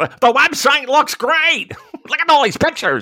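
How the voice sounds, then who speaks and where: A high-pitched, put-on character voice moves along at a moderate pace. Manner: shaky, frail, imitating an elderly person.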